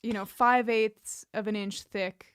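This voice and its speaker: A woman's voice: mid-range voice, fairly even intonation, a little slow, clear, resonant tone, no echo. A woman co-hosting a podcast in casual conversation about a TV episode, with a wry, joking way of talking. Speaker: podcast co-host. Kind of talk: casual chat recapping a TV episode.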